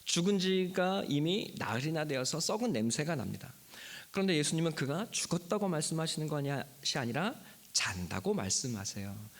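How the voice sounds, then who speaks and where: Animated preaching man, lively pitch. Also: moderate pace. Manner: emphatic preaching that drops to a hushed whisper for key words; retells a Bible story, acting out its figures' lines. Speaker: pastor. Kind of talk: Easter sermon.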